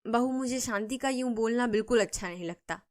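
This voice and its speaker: A woman voicing a gentle, worried older mother-in-law who answers softly and defensively in a cartoon story. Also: on the high side, a little fast, natural voice.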